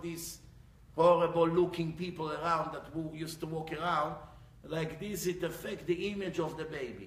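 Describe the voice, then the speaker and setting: A man's high voice in an Israeli accent, fairly even in intonation, at a moderate pace amid noticeable background noise. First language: Hebrew. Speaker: rabbi giving Torah lectures. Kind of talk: religious lecture.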